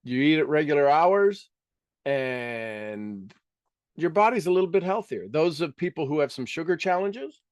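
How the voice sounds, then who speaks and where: A man with a slightly raised pitch leads a motivational workshop in front of a live audience. He talks emphatically and repeats his key words for effect. The sound is dry, with little room echo. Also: animated, moderate pace. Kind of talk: live seminar teaching to an audience.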